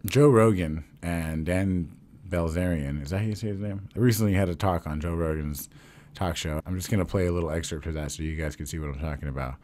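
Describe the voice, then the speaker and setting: Low-voiced casual vlogger man. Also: a little fast, a little mellow. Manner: casual, swears freely, rambles. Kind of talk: casual talk to camera.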